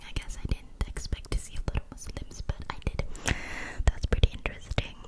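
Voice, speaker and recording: Amid noticeable background noise, a woman is whispering. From Malaysia. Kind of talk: ASMR whisper ramble, life update. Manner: whispered, soft, intimate.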